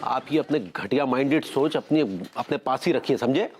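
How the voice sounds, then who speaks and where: An actor playing a pompous, impatient small-time trader. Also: male voice, mid-range voice, lively intonation, moderate pace, a little mellow, slight background noise, natural voice.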